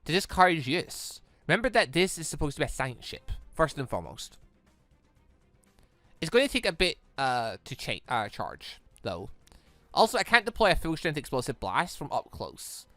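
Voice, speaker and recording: A man hosting a let's play, reading visual novel dialogue aloud in an animated way and reacting excitedly as he goes. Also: fairly high pitch, moderate pace, dry recording, soft background music. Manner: animated, stumbles while reading and exclaims at the story.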